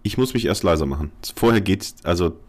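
A man's voice: low voice, animated, brisk, a little hiss or hum. Man on a clipping, distorted mic. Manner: fussing with his own input level. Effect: overloud clipping distorted mic. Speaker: podcast co-host. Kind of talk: casual podcast chat. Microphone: home computer mic with input level too high.

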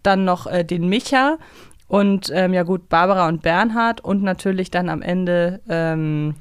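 A woman's voice: fairly low pitch, a little slow, clear, resonant tone, dry recording, studio quality. A woman co-hosting a casual podcast discussion, speaking reflectively and weighing her opinions. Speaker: podcast co-host.

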